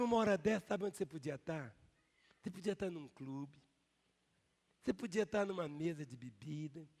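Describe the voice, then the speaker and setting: A man's voice: high-pitched, vocal fry. An older man preaching a sermon in a large church as pastor, driving the congregation to repeat words back to him. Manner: emphatic preaching with call-and-response. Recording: long church hall reverb.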